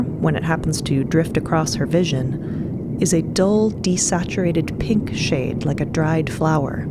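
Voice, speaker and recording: Woman storyteller, unhurried n low, dramatic narration w wry asides, loud ambient rumble behind. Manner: deliberate, wry conversational asides. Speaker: podcast narrator.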